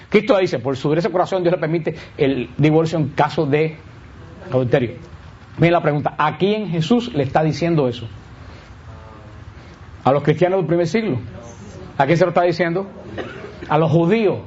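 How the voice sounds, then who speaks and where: Husky man preaching with rhetorical questions. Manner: lively, rhetorical questions, answers his own questions; emphatic swings in pitch and pace. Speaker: Catholic preacher teaching on Romans. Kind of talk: conversational Bible teaching. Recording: dull lo-fi recording.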